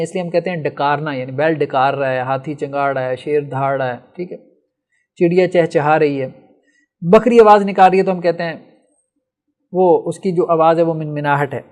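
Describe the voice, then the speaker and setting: High-voiced man giving a patient lecture. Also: a little mellow. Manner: explains step by step, asks and answers his own questions; often checks with "theek hai". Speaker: teacher of logic. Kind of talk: classroom lecture.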